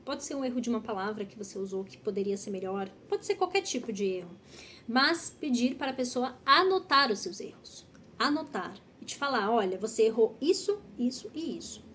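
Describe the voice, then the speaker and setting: A woman's voice: on the high side, a little hiss or hum. A Brazilian woman teaching Portuguese online, direct and encouraging, often checking in with "tá?". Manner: direct, encouraging, repeats key points with "tá?". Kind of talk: online language lesson.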